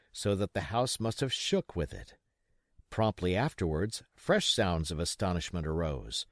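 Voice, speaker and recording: A man's voice: on the low side, dry recording, studio quality. A man reading an adventure novel as an audiobook narrator, in scripted storytelling style.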